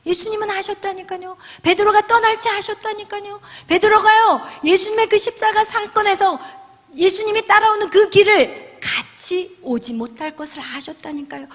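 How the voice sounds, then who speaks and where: A woman preaching a sermon. Her delivery swings from loud, emphatic lines down to hushed whispers. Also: very high voice. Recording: long hall reverb.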